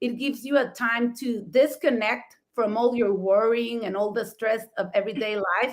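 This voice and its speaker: Speaking with a Spanish accent, a woman uses a fairly high pitch. Her pace is moderate, with hardly any pauses. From Mexico. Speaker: florist and workshop teacher. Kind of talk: casual chat.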